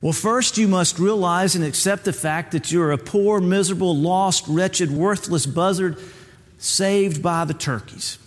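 A man's voice: high voice, unhurried, pitched above the performer's own voice. A man voicing a stern older male turkey mentor who lectures in an earnest, preachy way. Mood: lecturing. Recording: long hall reverb.

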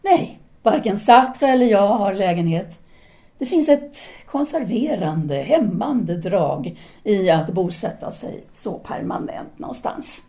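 Audio drama role: self-assured woman intellectual played by an actress, seductive, formal and articulate, dark mellow voice. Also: medium pitch, expressive, natural voice. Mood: earnest, philosophical. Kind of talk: audio drama dialogue acting.

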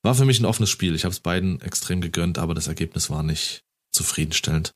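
A man in casual conversation about football, talking enthusiastically and getting animated as he retells a match. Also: low-pitched, quick pace. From Germany.

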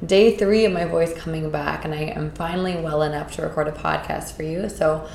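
Woman host, hoarse from a cold, gravelly low voice, earnest and upbeat, roomy echo. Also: steady tone, brisk, a little mellow, slight background noise. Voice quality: raspy. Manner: upbeat, earnest, with filler words. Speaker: podcast host. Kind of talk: casual solo podcast talk. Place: indoors in Costa Rica.

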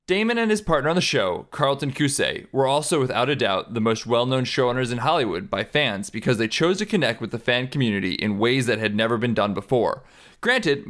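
A man's voice: medium pitch, fairly bright tone. A man narrating a written article as a scripted essay reading.

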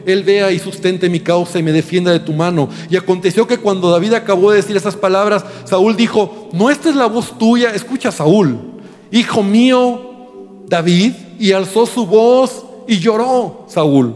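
A man's voice: high voice, moderate pace, darkish tone, long reverb tail, soft background music. A man preaching a sermon, reading scripture aloud and explaining it with frequent rhetorical questions.

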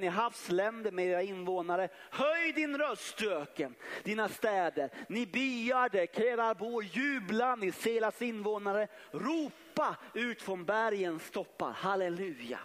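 A man preaching a fervent sermon, reading scripture with emphatic pauses. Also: high voice, a bit bright. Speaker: pastor. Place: church sanctuary. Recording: long church reverb.

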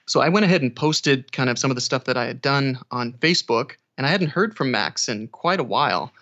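A man's voice: medium pitch, lively intonation, a little fast, a bit bright. A man speaking as an interview guest, an audiobook narrator casually recounting his experiences. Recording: dull, band-limited audio.

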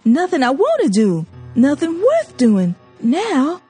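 A woman's voice: sits high, wildly swooping pitch, slow, dark tone, soft background music, voice pushed up, exaggerated voice. A woman reader voicing a passionate, grieving young woman who swings between bitter defiance and pleading. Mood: despairing.

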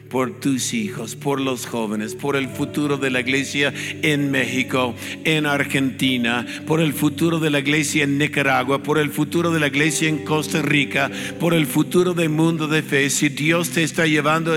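A man's voice: medium pitch, fairly even intonation, moderate pace. An older man preaching a sermon as pastor, emphatic and repetitive, in a large church hall. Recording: long hall reverb with faint music.

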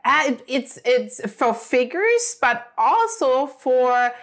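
A woman's voice: sits high, very animated, slow. A middle-aged woman whose first language is German, telling stories in a casual, chatty way, full of fillers and restarts. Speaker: interview guest. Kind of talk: casual storytelling.

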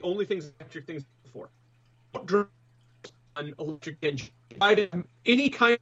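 A high-voiced man speaks through a remote online call whose audio keeps breaking up and dropping out. The sound is dull and lo-fi. He talks emphatically and tends to repeat words as he starts a point. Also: animated, moderate pace, a bit bright. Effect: internet call audio breaking up and cutting out. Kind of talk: casual political commentary.

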